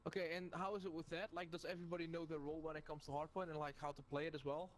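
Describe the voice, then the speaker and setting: A man's voice: on the high side, level tone, very fast, slight background noise. A man coaching gamers over a voice call, friendly, with lots of fillers and restarts.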